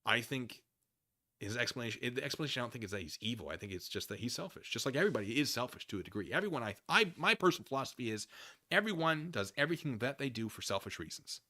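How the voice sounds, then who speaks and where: A man hosting a casual livestream, thinking out loud in an opinion monologue, often rephrasing and qualifying what he says. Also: mid-range voice, animated. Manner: musing, halting, often rephrasing and qualifying himself. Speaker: livestream host. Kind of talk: casual opinion monologue, answering chat comments.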